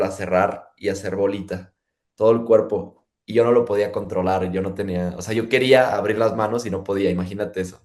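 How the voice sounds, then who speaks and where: A young man giving a personal testimony, retelling events in a lively way and filling gaps with "pues". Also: lowish voice. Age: young adult. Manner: lively retelling, acts out dialogue, frequent fillers. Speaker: testimony speaker.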